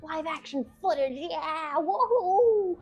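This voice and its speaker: A woman's voice: very high voice, animated, slow pace. A woman doing casual, joking video commentary, sarcastic, irreverent and profane, with a theatrical streak. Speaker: video essay host. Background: background music.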